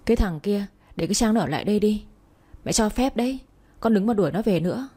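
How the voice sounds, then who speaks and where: A woman's voice: mid-range voice, animated, fast, warm tone, breathy edge. A woman voicing a kind older woman, a future mother-in-law who comforts the girl and bosses her son, in a storybook reading. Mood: commanding. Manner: soothing and motherly. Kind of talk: storybook narration.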